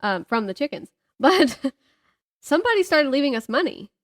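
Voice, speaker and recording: A woman's voice: high-pitched, big pitch swings, moderate pace, no echo, studio quality. A young woman chatting casually as a podcast co-host. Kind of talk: casual chat.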